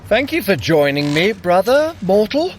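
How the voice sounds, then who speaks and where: Haughty, theatrically swooping trickster god. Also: male voice, high voice, very animated, normal speed, a little hiss or hum. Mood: smug. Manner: withering sarcasm, theatrical, formal wording. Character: sardonic, haughty trickster god, long-suffering brother. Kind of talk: audio drama fitness adventure.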